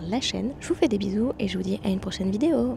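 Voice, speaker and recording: A woman's medium-pitched voice amid noticeable background noise. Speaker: booktuber vlogger. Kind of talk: casual vlog. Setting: on a bus. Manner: whispering, soft-spoken.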